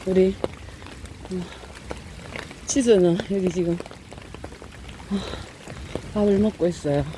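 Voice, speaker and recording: Feeding stray cats outdoors in a heavy downpour, this middle-aged vlogger speaks slowly in a mellow, lowish voice, full of fillers. Her casual narration turns into a raised, affectionate coaxing tone whenever she calls the cats. Audio is poor, with light rain noise behind her.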